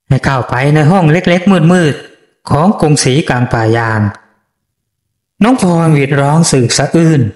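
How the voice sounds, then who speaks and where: A man's voice: a little high, reverberant. A man telling a scripted bedtime story in a dramatic storytelling manner. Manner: dramatic storytelling with coarse rural dialogue. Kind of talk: scripted bedtime story narration, voicing characters.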